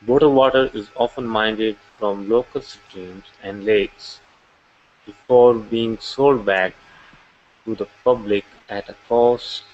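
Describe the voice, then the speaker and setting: A man from Pakistan talking very slowly and hesitantly, with many pauses and fillers. His voice comes through a muffled call line with a faint hiss underneath. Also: on the low side. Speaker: student. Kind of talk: halting reading aloud in class.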